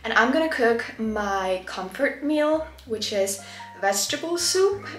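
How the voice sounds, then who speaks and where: A woman's voice: a little high, lively intonation, measured pace, fairly bright tone, echoey room, soft background music. A woman in her twenties from Iceland, chatting enthusiastically while cooking in a small home kitchen, with lots of "like" and "honestly". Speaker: lifestyle vlogger. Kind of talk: casual cooking vlog chat.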